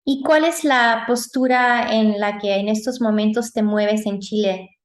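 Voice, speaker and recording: Peruvian woman, interviewer, gentle reflective manner, mid-pitched voice, roomy echo. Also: steady tone, measured pace. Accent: Peruvian Spanish. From Peru. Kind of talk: conversational interview. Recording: roomy echoey sound.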